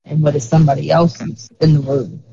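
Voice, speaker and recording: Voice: medium pitch, flat delivery, brisk, gravelly, dark tone, muffled recording. An interview guest explaining ideas in a casual, rambling way, leaning on lots of "like" fillers. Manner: rambling, heavy use of "like" fillers.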